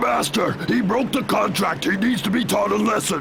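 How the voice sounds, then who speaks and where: A cartoonish character voice comes through over clear background noise. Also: man, high pitch for a man, moderate pace. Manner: cackling, gloating.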